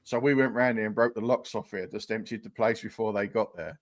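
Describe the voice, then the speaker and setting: A man's voice: lowish voice, fairly even intonation, brisk. A British man chatting casually on a podcast, rambling with lots of likes and restarts as he tells a story. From United Kingdom. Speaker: podcast host. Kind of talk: casual chat. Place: home setup on a livestream.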